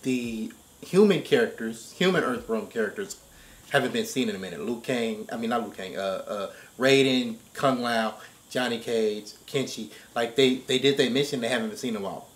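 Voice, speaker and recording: A man's voice: mid-range voice, moderate pace. Man explaining things in casual discussion. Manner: explanatory, often checks with "right?". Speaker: reaction show commentator. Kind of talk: casual discussion of game story.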